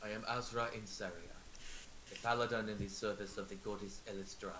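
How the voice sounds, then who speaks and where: A man's voice: fairly low pitch, little pitch movement, a little fast, sharp tone, voice pushed down, low-quality recording. A man playing an earnest, courteous paladin in a tabletop game, speaking in formal, righteous declarations. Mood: solemn, humble. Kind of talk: role-play in tabletop game. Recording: clear background hiss and noise.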